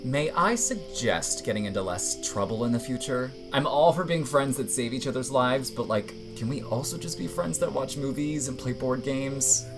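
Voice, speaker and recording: A woman's voice: very deep voice, expressive, moderate pace, hardly any pauses, music in the background. A woman playing a wry, easygoing, joking young woman in an audio drama. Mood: amused, wry.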